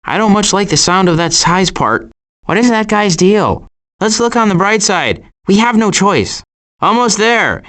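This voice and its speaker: An actor voicing a cautious, worrying turtle in an animated video game, with a dry, hesitant and wry delivery. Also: male voice, high-pitched, a little slow. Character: cautious, worrying male cartoon turtle, dryly sarcastic.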